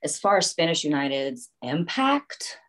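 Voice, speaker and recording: A woman from West Virginia with a strikingly deep, low voice talks on a group podcast call. She chats freely and searches for words aloud as she goes. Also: very animated, unhurried, fairly bright tone. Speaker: guest director. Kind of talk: casual chat.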